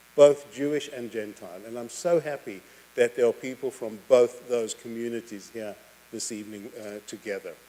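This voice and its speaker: A man speaks at a medium pitch and a moderate pace. His tone is dark and mellow, and his loudness swings widely. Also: ordinary pitch variation. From Israel. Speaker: tour guide and speaker. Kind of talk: public talk. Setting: synagogue hall with audience.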